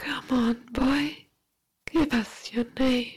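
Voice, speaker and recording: This is a put-on character voice that sounds female. It is delivered in a whisper. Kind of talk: horror drama. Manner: whispering, agitated, laughing.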